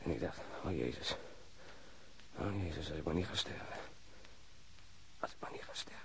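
An actor playing a wounded policeman in a radio drama, speaking halting in strained, broken phrases with a husky, breathy voice. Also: extremely low pitch, whispered. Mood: faint, fearful. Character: wounded policeman recounting being stabbed, shaken but admiring.

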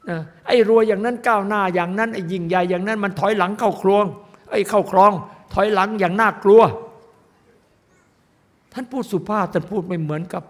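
A man's voice: high voice, creaky. An older man, a monk, preaching a sermon in an emphatic, rambling way, repeating himself for emphasis. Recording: echoey hall.

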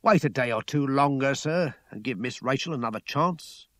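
A man's voice: medium pitch, expressive, normal speed, dry recording, lightly acted. A man playing a loyal older household servant in a story, earnest and plain-spoken. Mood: pleading.

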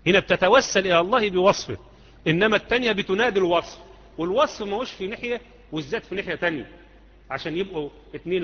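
A man's voice: high-pitched, a bit bright. Egyptian man teaching in an echoing hall. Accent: Egyptian Arabic. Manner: conversational, asks students rhetorical questions. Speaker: Islamic creed teacher. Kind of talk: live religious lesson answering questions. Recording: muffled audio with long hall reverb.

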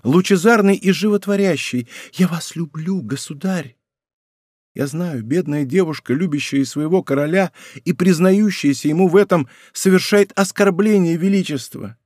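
A man's voice: fairly high pitch, moderate pace, darkish tone, dry recording, studio quality, pitched above the performer's own voice, lightly acted. A man reading an audiobook, voicing a passionate, pleading young woman in love. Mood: passionate confession. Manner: impassioned, tearful pleading.

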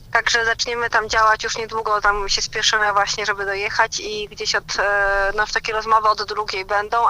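A woman's voice: mid-range voice, pushed and bright. A woman on a phone call heard over a speakerphone, giving a casual, hesitant report from a trip. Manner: hesitant, talks with fillers while traveling. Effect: phone call played on speakerphone. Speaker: caller reporting from a field trip.

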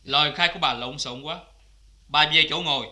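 An actor playing a stern, formal court judge questioning witnesses in a cải lương drama. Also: male voice, a little high, a little fast, bright, forceful tone.

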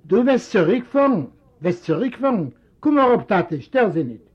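A man's voice: high voice, very animated, normal speed, breathy edge, exaggerated voice. Man playing coaxing, self-important rich son. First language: Yiddish. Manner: coaxing then impatient, mixing in English words. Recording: dull lo-fi recording.

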